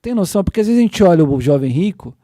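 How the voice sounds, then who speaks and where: A young man hosting a casual church podcast, excitedly retelling scripture in slangy everyday speech. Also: high-pitched, fast talker, no echo, studio quality. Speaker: podcast host.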